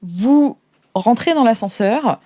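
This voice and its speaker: A woman's voice: fairly high pitch, lively intonation, slow pace, mellow, a little hiss or hum. A woman running an improvised tabletop game as game master, narrating hesitantly as she makes things up.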